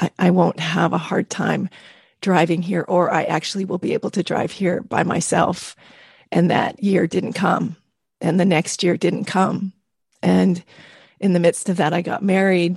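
Somewhat breathy and monotone, a woman at medium pitch speaks at a moderate pace with long, frequent pauses, the sound dry and close with no echo. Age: 50s. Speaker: radio producer and literacy program founder. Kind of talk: casual chat.

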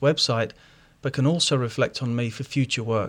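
On a very clean recording with a silent background, a man with a London accent speaks at a medium pitch and moderate pace with fairly even intonation. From London, England. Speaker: web designer. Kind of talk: recorded listener audio comment.

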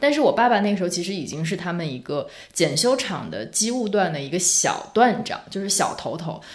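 Pitched at a medium level, a woman speaks fairly quickly with very wide pitch swings, amid audible room echo and noticeable background noise. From Northeast China, small town in southeast Heilongjiang. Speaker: podcast co-host, journalist. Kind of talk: casual chat.

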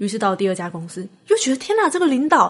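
Speaking in a Northeastern Chinese accent, a woman goes at a very fast pace with a somewhat breathy voice. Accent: Northeastern Mandarin. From Northeast China. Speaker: psychological counselor and career planner. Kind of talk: casual interview.

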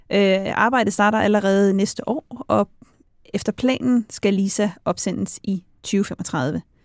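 With an ordinary speaking voice, a woman speaks at a medium pitch and fairly even intonation in a dry, close sound with no echo. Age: 30s. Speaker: podcast host. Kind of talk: casual chat.

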